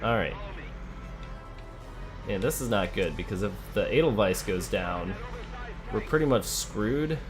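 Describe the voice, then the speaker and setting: A man's voice: lowish voice, animated, a little slow, pauses often, over music. A man giving casual let's play commentary on a video game, thinking aloud and talking to the characters as he plays. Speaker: gamer playing a video game.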